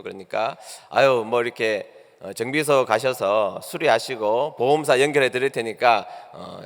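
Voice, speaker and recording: A man's voice: mid-range voice, creaky, fairly bright tone. A male pastor preaching a sermon, telling a personal story and acting out both sides of a phone call. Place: church sanctuary. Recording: long church hall reverb.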